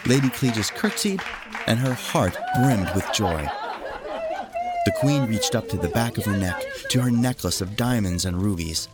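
Very animated male storyteller. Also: fairly low pitch, moderate pace, loud music behind the voice, a loud crowd. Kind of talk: expressive scripted storytelling for families.

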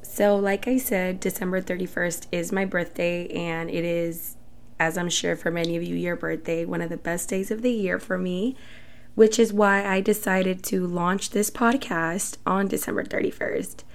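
A woman's voice: lowish voice, fairly even intonation, normal speed, gravelly. A woman in her twenties, born in El Salvador and raised in Houston, talks earnestly and reflectively in short phrases as the host of her own solo podcast. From El Salvador, raised in Houston, Texas. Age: 20s.

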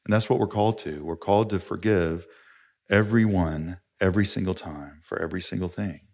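A man's voice: low voice, a little fast, a little mellow. A man, a pastor, preaching an earnest and emphatic sermon with rhetorical questions.

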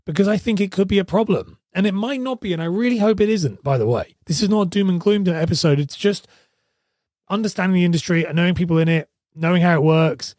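A man hosting a solo podcast, his voice hoarse and strained, talking in a chatty, rambling way and correcting himself often. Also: sits high, quick pace, a little mellow, dry recording, studio quality. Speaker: podcast host. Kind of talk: casual solo podcast talk.

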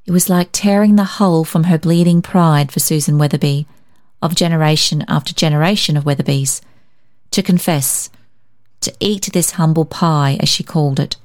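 A woman reading a literary story aloud as narrator, in an expressive scripted style. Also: low voice, normal speed, no echo, studio quality. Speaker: story narrator and podcast host.

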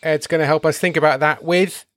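A man's voice: on the high side, fairly even intonation, fairly quick, a bit bright, no echo, studio quality. A man hosting a children's church program, giving friendly, upbeat instructions between segments. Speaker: host. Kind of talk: presenting a kids' church program. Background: music.

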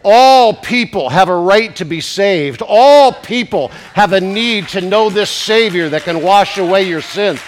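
A man preaches a sermon while getting over a cold, his voice slightly congested. His pitch sits a little on the high side. He lingers slowly over scripture and swells into emphatic declarations. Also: expressive. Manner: rising to emphatic preaching at climaxes; slows down to stress key scripture words. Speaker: pastor.

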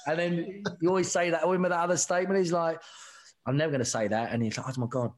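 This guest is a middle-aged rugby sevens coach from England, sharing candid, lively anecdotes while repeating himself and dropping in "mate" a lot. He talks fast in a slightly high, steady voice, with crowd noise behind him.

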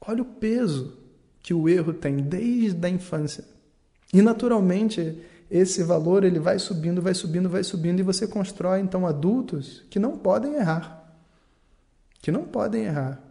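A man giving a calm, explanatory talk on learning and mistakes, acting out short dialogues as he goes. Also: high voice, normal speed, creaky.

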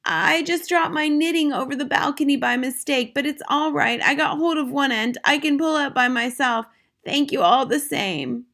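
A woman reader voices an old storybook grandmother. She speaks high and breezily, doting and chatty, with a cool, polite composure. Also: moderate pace, fairly bright tone. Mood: breezy, innocent. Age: older.

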